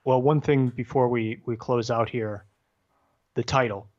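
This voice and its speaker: A man's voice: mid-range voice, steady tone, measured pace, a little mellow. Man hosting a podcast, dull lo-fi sound. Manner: hesitant, self-correcting. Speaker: podcast host. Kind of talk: casual book discussion.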